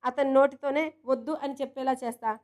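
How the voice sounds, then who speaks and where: A woman voicing a playful, headstrong young woman who works in an office, talking in a quick, cheeky way. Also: sits high, steady tone, darkish tone, lightly acted.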